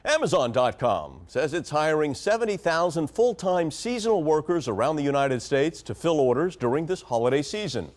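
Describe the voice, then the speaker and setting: A man's voice: on the high side, sing-song. Man reading the evening news. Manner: measured, formal newscast delivery. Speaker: news anchor. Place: studio anchor desk.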